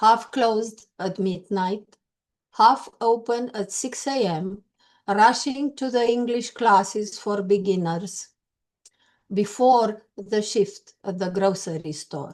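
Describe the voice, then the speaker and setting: A woman's fairly high-pitched voice at a very slow pace, with a Romanian accent and ordinary pitch variation. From Romania (Bucharest). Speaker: poet. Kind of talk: poetry reading.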